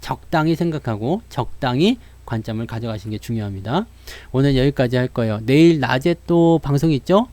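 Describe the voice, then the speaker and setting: Brief: lively male market host, voice leaps around, dry close sound, talks to viewers and plays out their worries. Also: medium pitch, no echo. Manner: lively, acts out investors' worries and answers them; addresses viewers directly with frequent fillers. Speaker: stock market broadcaster. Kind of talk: live stock market lesson.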